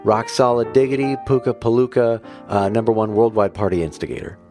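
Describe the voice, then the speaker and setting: A man's voice: medium pitch, fairly even intonation, fairly quick, a little mellow, faint music behind, close to an everyday voice. A man voicing a goofy, laid-back male digger who rambles and stalls with fillers. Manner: rambling, hesitant, full of fillers. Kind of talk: cartoon voice acting.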